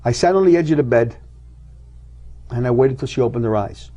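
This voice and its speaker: A middle-aged man with a mellow, warm voice, a talk-show guest recounting a personal ordeal. He tells it dramatically, slipping into the lines of each person in the story at an even, ordinary pitch. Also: fairly quick, muffled recording. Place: TV studio.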